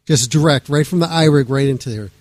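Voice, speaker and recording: A male radio host in loose late-night chat, rambling and excitable, with casual swearing and lots of restarts. His voice sits at a middle pitch. The studio sound is close and dry, with no room echo. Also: quick pace.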